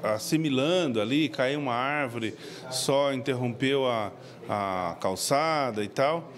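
A middle-aged man with a Brazilian accent, a civil defense official, explaining into reporters' mics in a halting way with many fillers. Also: medium pitch. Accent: Brazilian Portuguese. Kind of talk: press interview. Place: indoors before a press backdrop. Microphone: several handheld reporter mics.

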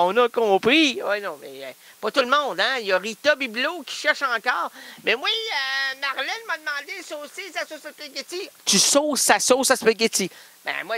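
Bright high-voiced Québécois radio joker. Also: male voice. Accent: Québécois French. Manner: joking, teasing, laughs often. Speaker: radio host. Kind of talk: playful radio banter.

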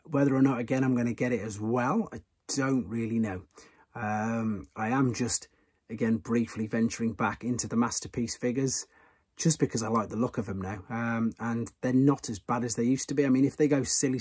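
Surrounded by shelves of toys and recorded up close, the thirty-something toy channel host chats excitedly through toy news, frequently saying things twice. His voice is mid-range, husky and darkish.

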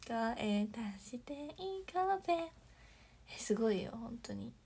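A young woman chats bubbly and warmly through her livestream, reading out comments and thanking viewers. Her voice sits a little high with a gravelly, husky texture. She drops now and then into soft, whispery asides. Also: very animated, unhurried. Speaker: idol livestreamer.

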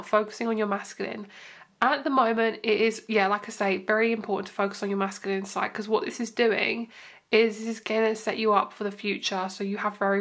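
A woman's voice: medium pitch, fairly bright tone. A young woman with a stuffed-up nose from hay fever, giving a chatty, reassuring tarot reading with lots of fillers. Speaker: tarot reader. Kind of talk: casual tarot reading to camera. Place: indoor room, table seen from above.

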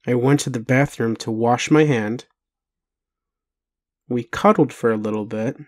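Slow, hesitant, bewildered actor's male voice. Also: mid-range voice, darkish tone, natural voice. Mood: puzzled, doubting. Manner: halting, hesitant, full of pauses and sighs. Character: bewildered, doubting, gentle werewolf man comforting partner. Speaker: roleplay audio performer. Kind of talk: intimate roleplay audio acting.

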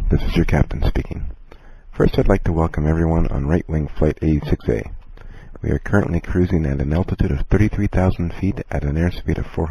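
A man playing a calm, courteous airline captain giving a measured, scripted in-flight announcement. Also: a bass voice, husky, no room sound, heavily acted, poor audio. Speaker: airline captain in a listening lesson.

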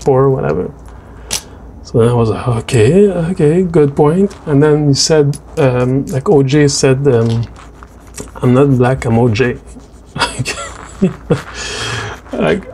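A man's voice: medium pitch, darkish tone, slight background noise. A man with a French Canadian accent, a native French speaker, chatting casually in a voice-over about his drawing and his tastes, hesitant with many restarts. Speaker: artist narrating a drawing video.

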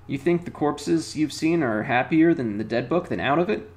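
A man voicing a wisecracking floating male skull companion, high and brash as he reads the game's lines aloud. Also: lively intonation, moderate pace, a little mellow, natural voice.

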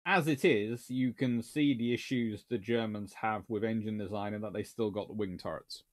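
A man's voice: on the low side, fairly even intonation, moderate pace. A man in his thirties, a naval historian answering viewer questions in a casual livestream from a small book-lined room, thinking aloud and restarting sentences as he goes.

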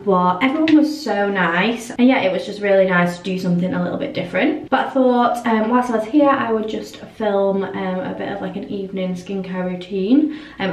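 A young woman chats to her camera in a relaxed vlog, with plenty of ums. Her voice is a bit croaky from a cold and sits at a middling pitch. The sound bounces around an echoey hotel room. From England. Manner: chatty, friendly, many ums. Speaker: beauty vlogger. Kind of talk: casual vlog chat to camera. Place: hotel room and tiled bathroom.

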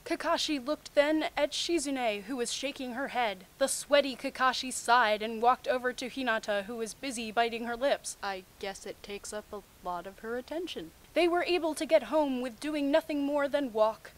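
Sarcastic young woman with a high voice. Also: moderate pace, few pauses, poor audio. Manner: sarcastic, incredulous asides. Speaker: host of a comic fan fiction reading series. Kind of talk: reading fan fiction aloud with mocking commentary.

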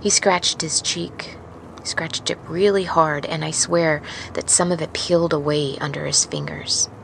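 A woman playing a wary, haunted truck driver in an intimate, confiding, halting audio-drama monologue. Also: low voice, steady tone, vocal fry, fairly bright tone, a little hiss or hum, full character voice, low-quality recording. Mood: uneasy, haunted. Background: music.

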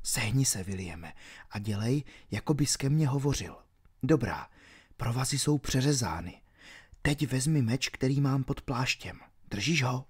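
A man's voice: medium pitch, lively intonation, hardly any pauses, lightly acted. A man reading an audiobook, voicing a daring young male outlaw leader with a ringing voice. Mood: hushed urgent. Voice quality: ringing, metallic when loud.

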